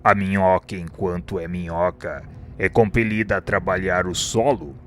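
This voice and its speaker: A man playing a wise spirit instructor in a radio drama, speaking in a formal, measured, sententious way. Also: low-pitched, steady tone, natural voice. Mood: grave, didactic. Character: solemn, wise male spirit instructor explaining divine law. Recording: music bed behind the voice.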